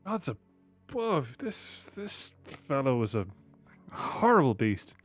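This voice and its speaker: A man playing in a tabletop game, casual and chuckling, thinking out loud. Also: medium pitch, sing-song, takes it slowly, no room sound, faint music behind. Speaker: player.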